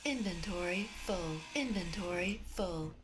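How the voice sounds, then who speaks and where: A woman voicing a robotic female ship computer in a game, giving flat, clipped status alerts that repeat like a glitch. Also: fairly low pitch, a little slow, noisy background. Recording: game audio with music underneath.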